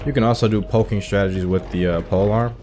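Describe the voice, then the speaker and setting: This male streamer talks fast in a lowish, warm voice with fairly even intonation, giving casual commentary as he plays a video game for his viewers. Game music plays in the background.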